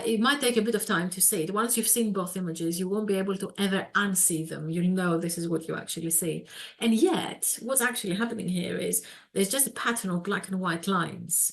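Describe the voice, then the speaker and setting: A woman's voice: on the low side, gravelly. A woman with a Greek accent, from Greece, presenting a webinar lecture on psychology, explaining with many fillers and repeated words over a video call microphone.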